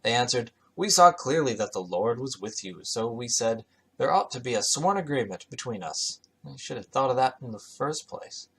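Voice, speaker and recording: A man's voice: mid-range voice, sing-song, moderate pace, a bit bright, husky. A man with a mid-range voice reads scripture aloud as the host of his show. His delivery is sardonic and skeptical, moving between declaimed reading and muttered, offhand commentary.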